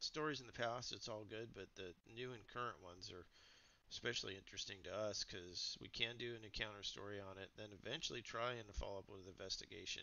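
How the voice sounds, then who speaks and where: A man's fairly low voice at a very fast pace, with ordinary pitch variation. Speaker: live stream host. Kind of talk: casual live stream commentary.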